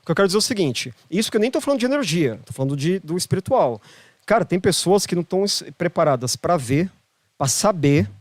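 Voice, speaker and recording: A man with a Brazilian Portuguese accent tells a story as a guest in a casual podcast chat. His voice sits fairly high, and he leans on emphatic repetition to drive his points home. The sound is dry and close, with no room around it. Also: sing-song, fast, no room sound. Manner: emphatic, repeats phrases for emphasis. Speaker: podcast guest, holistic therapist.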